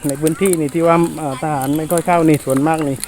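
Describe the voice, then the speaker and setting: A man talking casually to viewers in an explanatory vlog, hesitant and repetitive, with many drawn-out filler pauses. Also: fairly high pitch, fairly even intonation, a little mellow. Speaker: soldier vlogger addressing viewers. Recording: noisy outdoor recording with insect ambience.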